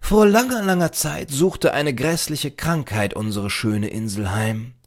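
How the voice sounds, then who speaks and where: A man's voice: mid-range voice, a little slow, pitched above the performer's own voice. A man voicing a preachy, self-certain old librarian in a storybook, with a pompous, archaic, lecturing manner. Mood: grandly lecturing.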